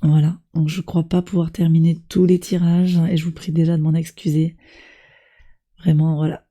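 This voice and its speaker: Hoarse woman, very dark tone, husky and breathy, flat even delivery, tarot reading for viewers. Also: low-pitched, normal speed. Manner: gentle, encouraging, speaks straight to the viewer. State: hoarse from a cold. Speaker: tarot reader.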